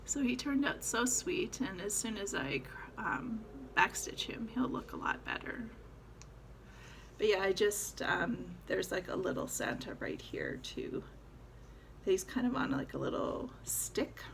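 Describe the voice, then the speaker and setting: A woman's voice: medium pitch, big pitch swings, a little slow, gravelly, slight background noise. A woman chatting casually about her cross-stitch projects, rambling with fillers as she shows her work. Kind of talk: casual show-and-tell chat.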